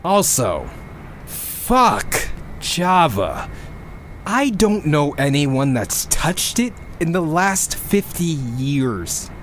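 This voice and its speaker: A man's voice: fairly high pitch, very animated, very slow, a bit bright, a little hiss or hum, exaggerated voice. A man playing a geeky, exasperated rocket programmer who rambles and swears through a casual audio log in a sci-fi drama. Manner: rambling, self-interrupting, swearing.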